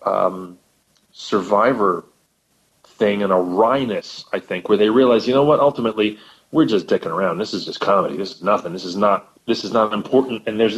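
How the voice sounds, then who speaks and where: A man with a fairly low voice chats as a podcast guest, musing his way through ideas. He circles back and restarts his sentences as he thinks. The audio is muffled and lo-fi. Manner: thoughtful, rambling, frequent restarts and repeated words. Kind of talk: casual conversation about old radio comedy.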